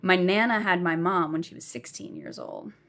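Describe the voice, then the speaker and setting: A woman's voice: fairly low pitch, wildly swooping pitch, moderate pace, creaky, a bit bright. A young woman from the southern United States, telling her life story frankly while lying down as a podcast guest.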